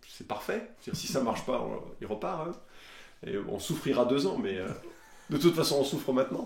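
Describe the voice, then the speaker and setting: A man with vocal fry and very wide pitch swings, at a moderate pace with long, frequent pauses, in audible room echo. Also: fairly high pitch for a man. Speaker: pastor. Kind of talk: podcast conversation.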